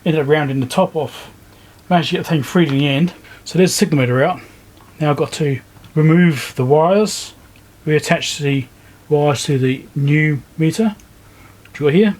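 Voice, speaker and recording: A man giving casual, low-key commentary as he works, thinking aloud step by step like a repair video host. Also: a little mellow. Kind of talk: casual hands-on commentary while working. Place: indoor repair workbench.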